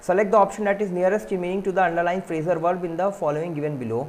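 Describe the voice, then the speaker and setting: A male teacher going through an exam-prep question paper. He reads the English questions slowly and explains quickly in Hindi, addressing students as "beta". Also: high-pitched, fairly even intonation, slight background noise.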